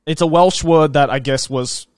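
A young man co-hosting a casual podcast chat in a small studio, reading out donations on a boom mic and laughing a lot. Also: normal speed, clean tone, no echo. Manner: laughs often, reads out donations. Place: small neon-lit studio, seated on couch. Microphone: boom mic on arm.

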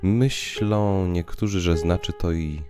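Very deep, slow male narrator. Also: steady tone, over music. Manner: solemn, measured. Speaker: audiobook narrator. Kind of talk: dramatic literary narration. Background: quiet musical underscore.

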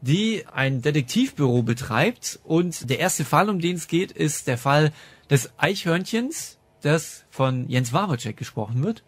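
A man with a slightly high, husky voice talks as a podcast host. He reviews in a loose, conversational style, full of enthusiasm and quick to laugh. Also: very animated, no echo. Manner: enthusiastic, laughs often while talking. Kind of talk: casual chatty review.

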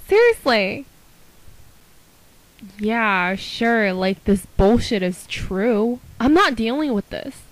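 Woman, high voice, very animated, unhurried, theatrical audition-style acting. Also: no echo, low-quality recording. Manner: expressive, theatrical. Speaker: amateur voice actor auditioning. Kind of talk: acted audition lines, dramatic character dialogue.

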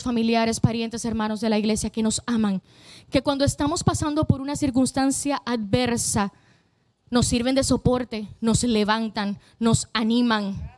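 A woman's voice: on the high side, a little mellow, no echo. A woman preaching a fervent sermon to a church congregation, using emphatic repetition and calling out to the people.

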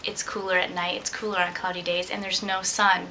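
A woman's voice: lowish voice, flat delivery, a little fast, bright, forceful tone, slight background noise. A young adult woman talking casually and reflectively as an interviewee about her own life, seated indoors. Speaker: liveaboard sailor being interviewed.

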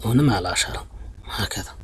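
Speaking in a fairly low, husky voice with lively intonation and a fairly bright tone, a man from Algeria moves briskly through a blackboard-style math lesson. He walks students through a graph step by step, patient and repetitive, addressing them as "my children" and correcting himself amid many fillers.

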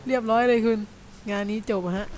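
A man with a high voice giving excited, casual play-by-play commentary over a video game, full of exclamations. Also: a little fast, slight background noise. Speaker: gameplay commentator.

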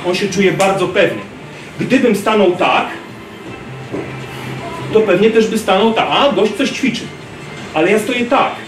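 A man in his thirties giving an animated self-defense lecture to a class, acting out street scenes, filmed by a distant camera in a large gym. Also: sits high. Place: large gym hall, indoors. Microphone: far camera. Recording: roomy gym echo from far off.

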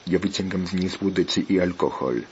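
A stubborn, sulky eight-year-old boy talks back, as a man reads him in a low, unchanged voice. The recording sounds muffled and lo-fi. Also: a little fast, a little mellow, slight background noise, lightly acted. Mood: defiant.

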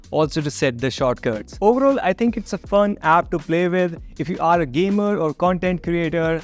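A young man with a slightly raised pitch talks straight to camera in a dim home studio. He runs through a software review in an upbeat, friendly way. Soft music plays faintly underneath. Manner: upbeat, friendly, walks through steps plainly. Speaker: tech reviewer, channel host.

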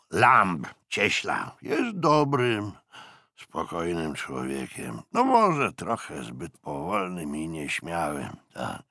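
A man acts out a tipsy veteran naval lieutenant from a sea novel. His voice is husky and gravelly, leaping widely in pitch. He rambles cautiously through his gossip, grumbling and hesitating as he goes. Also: bright, forceful tone, no echo, clean studio sound, heavily acted. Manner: hesitant, rambling, with trailing interjections.

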